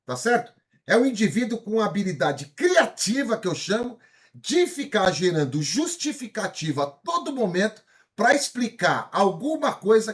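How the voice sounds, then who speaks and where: A man in his fifties from São Paulo, Brazil, speaking Brazilian Portuguese with a paulistano accent, delivers an energetic motivational lecture. His voice sits high and is slightly rough, and he keeps asking the audience questions, often using tag questions.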